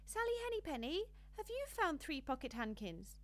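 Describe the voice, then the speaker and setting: A woman's voice: high voice, very animated, moderate pace, fairly bright tone, voice pushed up. A woman voicing a curious, plaintive little girl in a storybook, with a childlike, pleading way of asking things. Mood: tearful, pleading.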